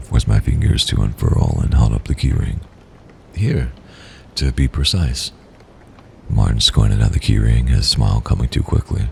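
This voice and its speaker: Soft-spoken man with lively intonation, a moderate pace and long, frequent pauses, plus noticeable background noise. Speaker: livestreamer. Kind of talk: read story.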